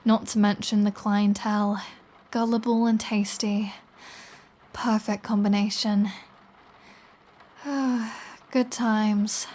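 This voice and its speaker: A woman's voice: medium pitch, level tone, a little mellow. A woman playing a flirty, taunting, predatory vampire in an intimate audio roleplay, with a teasing, sardonic delivery. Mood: wistful, playful. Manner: slow, teasing, sardonic, casually profane.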